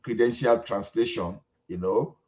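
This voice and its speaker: Man, Nigerian English accent, lowish voice, stammers on starts, dull lo-fi audio. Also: a little slow, a little mellow. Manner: stammering, repeats words as he starts. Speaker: host. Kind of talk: casual group chat.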